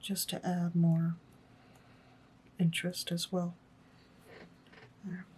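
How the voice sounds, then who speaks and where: A woman mumbles at a very slow pace in a relaxed, calm tone. Her intonation is monotone and flat, and her voice is somewhat breathy. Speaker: artist. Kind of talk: live unscripted narration while painting. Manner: mumbling, hesitant.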